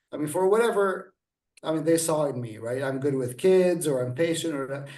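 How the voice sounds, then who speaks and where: Through audible room echo, a man with a fairly high voice and a dark, mellow tone talks at a moderate pace with ordinary pitch variation. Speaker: author and educator. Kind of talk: interview storytelling. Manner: halting, many fillers.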